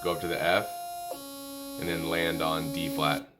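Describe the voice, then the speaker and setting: A man's voice: extremely low pitch, flat delivery, moderate pace. A man presenting an informal music tutorial, talking through notes hesitantly as if thinking aloud. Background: musical instrument playing.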